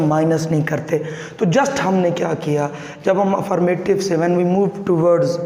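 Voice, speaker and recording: A man teaching a grammar lesson, repeating words and phrases slowly as if dictating and mixing in English example sentences. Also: a little high, darkish tone. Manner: mixes English example sentences into his explanations. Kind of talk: classroom-style grammar lecture. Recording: echoey room with long reverb and faint hiss.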